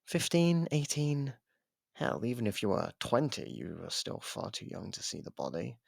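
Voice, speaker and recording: A man playing a sardonic, taunting imprisoned murderer in an ASMR roleplay, with a gravelly, husky voice and theatrical pauses, close on the mic. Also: mid-range voice, huge pitch swings, dry recording, exaggerated voice. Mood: menacing. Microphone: close microphone, dry.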